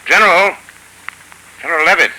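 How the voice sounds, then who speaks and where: An actor playing an earnest, urgent young gentleman detective in a 1930s radio drama. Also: on the high side, fairly quick, low-quality recording. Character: confident young gentleman sleuth. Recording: old radio broadcast, faint hiss.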